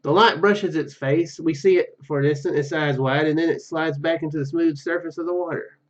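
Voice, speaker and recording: A man's voice: a little high, fairly even intonation, a little fast, muffled recording. A man reading a visual novel aloud and commenting casually, often stumbling over his words. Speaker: gaming YouTuber.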